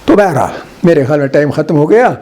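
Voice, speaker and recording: A middle-aged man teaching Quran recitation, drawing out syllables slowly to demonstrate them. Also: fairly high pitch, expressive, a little mellow. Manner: slow drawn-out demonstration of syllables. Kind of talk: religious lesson on Quran recitation.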